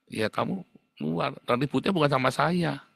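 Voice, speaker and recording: A man preaching a livestream sermon as pastor, blunt and scolding, with sudden jumps to a high pitch for emphasis. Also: normal speed, creaky, fairly bright tone, husky, no room sound.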